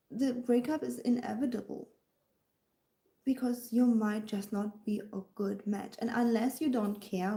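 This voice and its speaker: A woman's voice: fairly high pitch, mellow, reverberant. A woman with a German accent, a dating coach talking casually to viewers on a live stream, often dropping into a whisper and answering comments as she goes. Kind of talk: livestream talk to viewers.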